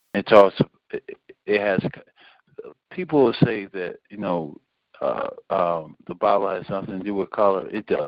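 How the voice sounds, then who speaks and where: A man speaks at a fairly slow pace, leaving long, frequent pauses. His loudness swings widely. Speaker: poet. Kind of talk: casual discussion. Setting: phone call.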